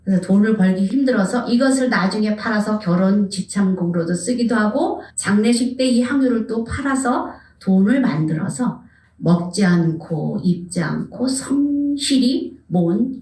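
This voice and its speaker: Animated woman pastor preaching in an echoey church. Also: mid-range voice, moderate pace. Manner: animated, asks the congregation rhetorical questions, drops to whispers. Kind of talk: sermon. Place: church sanctuary. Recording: echoey church hall, mic at a distance.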